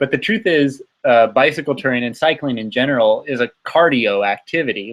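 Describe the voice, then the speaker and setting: An unremarkable speaking voice belongs to a man with an American accent who talks at a moderate pace and a fairly high pitch, with ordinary pitch variation and a quiet background. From United States. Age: 30s. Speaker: bicycle touring expert. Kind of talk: live Q&A stream. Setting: live YouTube stream. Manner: casual, many fillers and repetitions.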